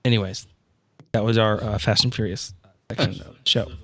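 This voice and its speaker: A man's voice: on the low side, fairly even intonation, fairly quick, dry recording. A man bantering casually on a tabletop game podcast, joking and swearing freely. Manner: profane, joking.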